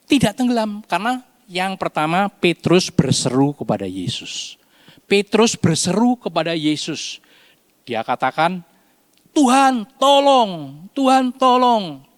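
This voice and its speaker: A man teaching a children's Bible lesson, telling the story with animated storytelling and acting out the cries. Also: a little high, no echo. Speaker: Sunday school teacher.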